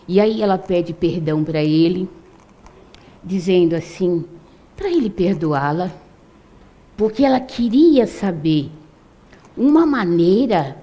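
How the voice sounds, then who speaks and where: An older woman telling a story to a live audience, chatty and conversational, often checking in with tag questions. Her voice is mellow and warm, sitting at an ordinary pitch.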